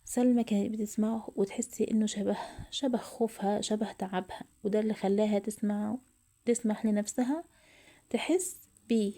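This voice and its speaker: A woman with an Egyptian accent narrating a love story in a soft, often whispered voice. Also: medium pitch, a little fast. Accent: Egyptian Arabic.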